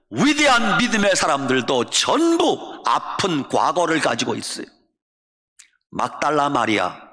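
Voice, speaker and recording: A middle-aged man from Chungcheong preaching a sermon as a pastor, humorous, mimicking dialects and shouting for emphasis. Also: fairly high pitch. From Chungcheong, Korea. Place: church sanctuary. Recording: long church reverb.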